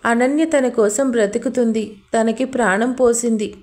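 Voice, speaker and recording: A woman's voice: a little high, steady tone, normal speed, a little mellow. A woman narrating a romantic audio story in a scripted, dramatic, emotional way.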